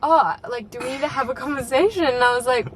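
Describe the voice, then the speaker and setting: A young woman hosting a casual chat, talkative and quick to laugh, her voice a little raspy at times. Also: high-pitched, crowd noise. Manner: chatty, laughs often, lots of "like". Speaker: channel host.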